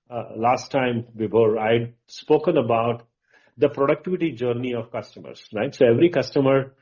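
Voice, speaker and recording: Male executive, mid pitch, emphatic and halting unscripted answers, dull conference-call sound. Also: darkish tone. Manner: halting, emphatic, asks and answers own questions. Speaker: company executive.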